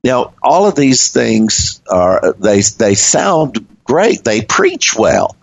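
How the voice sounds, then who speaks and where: Man co-hosting a faith talk, slow, rising and falling voice, dry slightly muffled sound. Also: medium pitch, sing-song, vocal fry, husky, no room sound. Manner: rambling, questioning, teaching tone. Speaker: co-host. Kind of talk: casual religious discussion.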